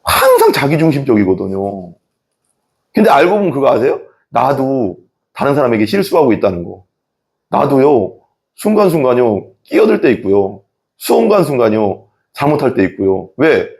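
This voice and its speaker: A man in his thirties preaching a sermon as a pastor, acting out quoted thoughts with laughs. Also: medium pitch. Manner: lively, acts out quoted inner thoughts with laughs.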